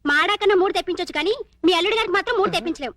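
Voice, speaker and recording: A sharp-tongued mocking young woman. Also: very high voice, racing, dry recording. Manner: sarcastic storytelling. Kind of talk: film comedy acting.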